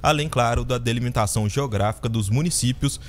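A man's voice: mid-range voice, fairly quick, soft background music. A man in his thirties co-presenting radio news in a studio, reading formally and steadily. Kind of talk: read news report. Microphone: studio mic on a boom.

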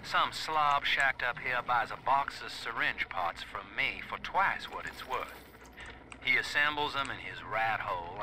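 Audio-diary con man: folksy, boastful, sly, very sharp bright tone. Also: medium pitch, a little hiss or hum, poor audio. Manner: folksy, smooth-talking, boastful. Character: smug, sly male profiteering swindler. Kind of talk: video game audio diary monologue.

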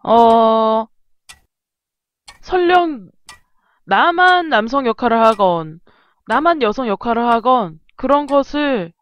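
Animated high-voiced woman streamer. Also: slow, long pauses, no echo, lo-fi sound. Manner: animated, exasperated reactions. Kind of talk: game let's play commentary.

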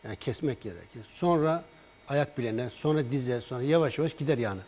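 A man telling a patient's story on a health program, lively and acting out both sides of the phone calls. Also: mid-range voice, fast. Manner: animated storyteller, acts out patient's and his own words in dialogue. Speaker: herbal remedy expert on a broadcast.

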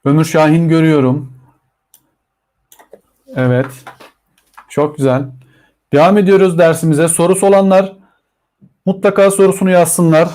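A man with a Turkish accent teaching a live online English lesson to children, drawing out model phrases slowly. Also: on the high side, steady tone, warm tone.

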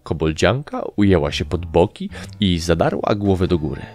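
Deep slow guy reading an audiobook, lively pitch, quiet music under it. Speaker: audiobook narrator. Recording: faint background music.

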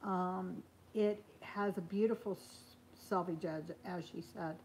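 A woman in her sixties talks loosely as she hand sews in a small sewing room. She restarts sentences and fills pauses with ums. The camera sits across the table, and a faint hum hangs behind her. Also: on the low side, fairly even intonation, darkish tone, low-quality recording. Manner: chatty, frequent ums and restarts. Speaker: host sewing live. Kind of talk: casual live Q&A while hand sewing.

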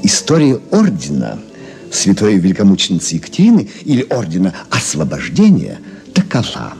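An actor playing an erudite jewellery expert in a radio drama, lecturing in a pedantic, expressive manner. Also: male voice, sits low, moderate pace, gravelly, soft background music, full character voice. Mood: lecturing, reverent. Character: Pyotr Petrovich, erudite male jewellery expert, lecturing with relish. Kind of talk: Soviet-era radio drama monologue.

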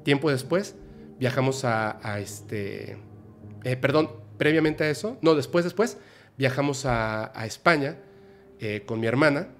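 A man, hosting a podcast, telling a personal story in a halting, emotional way with many restarts. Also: medium pitch, a little hiss or hum. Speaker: podcast host.

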